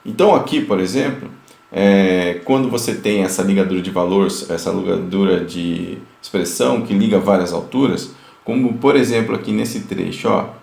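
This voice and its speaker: A man's voice: low-pitched, normal speed, creaky, a little mellow, reverberant. A man teaching a music lesson, explaining step by step with frequent fillers and short sung examples. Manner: explanatory, many fillers, sings note examples.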